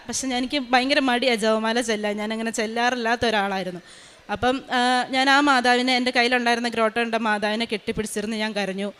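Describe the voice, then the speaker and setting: A woman, a maternity nurse, giving an earnest personal testimony in a quick flow of speech with many hesitation sounds, recorded in a large church hall. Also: a little high, a bit bright, clear, resonant tone.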